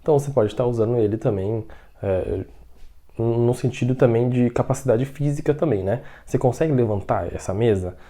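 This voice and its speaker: A man teaching a language lesson with a Brazilian Portuguese accent. He explains patiently, keeps checking in with the learner, and slows right down to model example sentences. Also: mid-range voice, dark tone. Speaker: Mandarin teacher.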